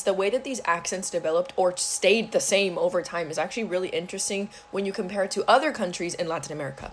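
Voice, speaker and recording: A woman's voice: fairly low pitch, slight background noise. A woman giving a conversational educational explanation, stressing example pronunciations as she presents. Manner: demonstrates pronunciations with emphasis.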